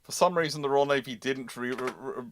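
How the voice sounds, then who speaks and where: A man hosting a live history question-and-answer session, talking haltingly and often repeating and rephrasing his words. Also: mid-range voice, dry recording. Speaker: host of a naval history livestream.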